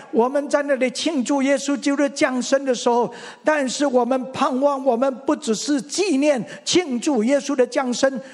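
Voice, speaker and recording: A man preaching a sermon as pastor, emphatic and asking and answering his own questions. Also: extremely high pitch.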